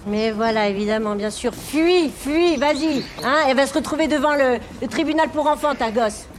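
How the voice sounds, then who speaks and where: A high-voiced, aggressive woman who accuses and insults, played by an actress. Her voice comes from a film soundtrack with faint ambience. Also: moderate pace, slight background noise, lightly acted. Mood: hostile.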